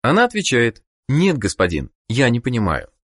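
A man narrating a scripted language course, giving clear prompts to the learner. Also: medium pitch, wildly swooping pitch, moderate pace.

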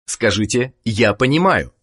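A man narrating a language course, giving measured prompts for the listener to repeat. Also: mid-range voice, very animated, a bit bright, breathy edge. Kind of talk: scripted instruction.

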